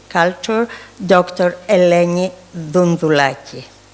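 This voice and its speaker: There is noticeable background noise behind this woman. She has a Greek accent and a fairly low pitch. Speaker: event organiser. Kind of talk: event welcome speech. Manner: halting.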